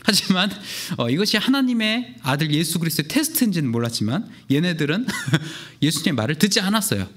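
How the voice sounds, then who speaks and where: As a youth pastor, this young man tells the sermon's story with animated flair, voicing each person in it. He talks a little fast, in a slightly high voice.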